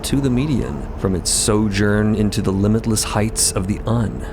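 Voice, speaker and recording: A man's voice: lowish voice, expressive, normal speed, background noise. A man co-narrating a story podcast with descriptive scripted lines and brief asides. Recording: loud music bed under voice. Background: loud music.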